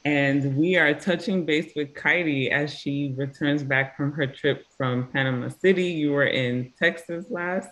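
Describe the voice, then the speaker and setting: A woman's voice: sits low, a little slow, few pauses, fairly bright tone, low-quality recording. An American woman hosting a podcast, talking in a reflective, conversational way with some fillers. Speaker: podcast host. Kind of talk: casual interview chat.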